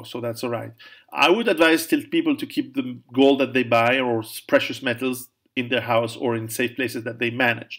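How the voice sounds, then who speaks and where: A man's voice: medium pitch, a bit bright. Hesitant man answering questions. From Italy, raised in Switzerland. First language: Italian. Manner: hesitant, many restarts and fillers, laughs at own jokes. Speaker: author answering viewer questions. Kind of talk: casual Q&A monologue.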